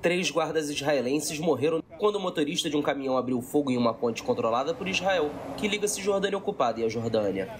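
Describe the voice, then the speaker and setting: A man's voice: a little high, animated, fast, hardly any pauses, crowd noise. A Brazilian man narrating a scripted news report as a voice-over.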